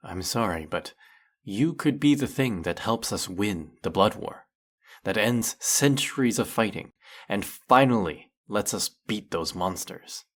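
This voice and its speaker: A man playing a centuries-old vampire hunter in an audio roleplay, guilt-ridden and resolute, confiding with halting delivery and heavy pauses. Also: lowish voice, animated, fairly bright tone. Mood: grim, resolute. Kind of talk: dramatic audio roleplay monologue.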